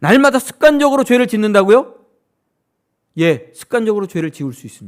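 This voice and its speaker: The pace is fairly quick. This man's pitch rises and falls across a very wide range. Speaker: pastor. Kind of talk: sermon. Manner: animated.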